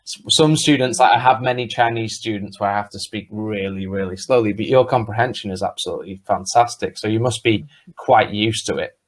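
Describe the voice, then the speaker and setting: A man's voice: fairly low pitch, fairly quick. A man from the north of England with a Manchester accent, an English tutor chatting with a student over a video call and asking follow-up questions. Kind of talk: casual video-call lesson chat.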